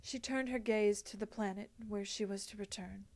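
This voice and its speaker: A woman's voice: mid-range voice, fairly even intonation, moderate pace, a little mellow. A woman giving a scripted storybook narration as an amateur voice actor.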